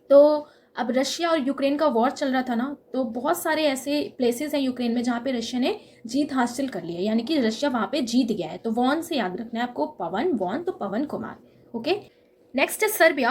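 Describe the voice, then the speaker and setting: A young woman teaching an exam-prep lesson. She walks through memory tricks step by step, often checks in with "okay", and slows down on key words to stress them. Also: sits high, darkish tone.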